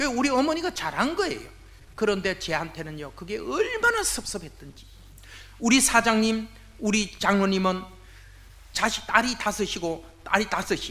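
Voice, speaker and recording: Over noticeable background noise and audible room echo, a man with a high voice speaks in a raised, projected voice at a moderate pace, with very wide pitch swings and long, frequent pauses. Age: 60s. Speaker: church elder giving testimony. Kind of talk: testimony. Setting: church.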